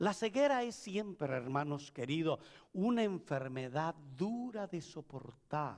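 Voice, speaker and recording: Lively intonation marks a man's speech, delivered at a very slow pace. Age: 60s. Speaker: pastor. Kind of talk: sermon.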